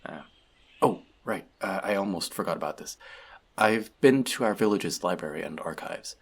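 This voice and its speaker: A man's voice: deep voice, animated, normal speed, husky, heavily acted. A man playing an earnest, bookish elf outcast in an audio roleplay, confiding in a friend in a hesitant, self-doubting way. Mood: eager, sharing. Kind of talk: scripted audio roleplay addressed to the listener.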